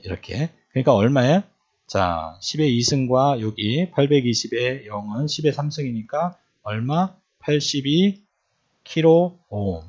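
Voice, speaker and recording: A man's voice: mid-range voice, darkish tone, breathy edge. A man teaching electronics in a lecture style, often repeating points and quizzing the listeners with questions. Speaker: electronics instructor. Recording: dull lo-fi recording.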